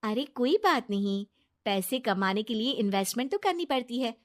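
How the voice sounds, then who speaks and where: A woman's voice: fairly high pitch, lively intonation, normal speed, close to an everyday voice. A woman voicing a trusting, kind young wife in a cartoon story, talking in an earnest, chatty way. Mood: reassuring. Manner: chatty, earnest everyday speech.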